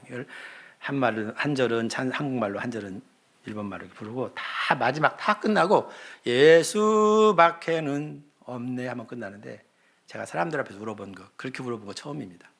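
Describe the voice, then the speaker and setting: A male pastor delivering a sermon with a bright, forceful tone. He moves from quiet personal storytelling to fervent, emphatic appeals. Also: mid-range voice, breathy edge. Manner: storytelling testimony, rising to fervent exhortation.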